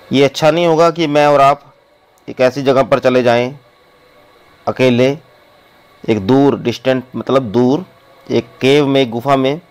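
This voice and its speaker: A kind young male white elephant from a storybook, voiced by a man reading aloud. He speaks slowly and carefully, each word spaced out. The voice is smooth and clear. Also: medium pitch, darkish tone, natural voice. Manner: slow, careful read-aloud delivery.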